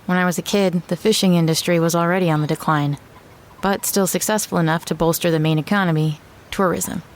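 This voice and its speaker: A woman's voice: fairly low pitch, steady tone, fairly quick, lightly acted. An actress playing a wary small-town woman, narrating an audio drama in the first person in a subdued, matter-of-fact way. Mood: wistful, sober. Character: wary local woman back in her declining hometown.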